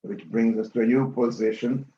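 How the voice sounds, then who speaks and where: A man giving a halting, measured presentation on an online panel, heard over a video call. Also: medium pitch, steady tone, mellow. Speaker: panel speaker. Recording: dull roomy video-call audio.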